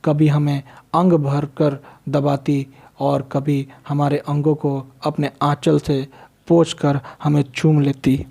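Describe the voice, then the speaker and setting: A man's voice: fairly high pitch, level tone, slow pace, gravelly, mellow. A man teaching a literature lesson, reading a line from a story and then explaining it in simple words, asking questions and answering them himself.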